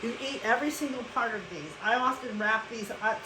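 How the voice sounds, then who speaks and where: A woman from Western Pennsylvania, USA, hosts a casual cooking demonstration, chatty and instructive with frequent asides. Her voice is a little high and a little fast, recorded in an echoey room with clear background noise.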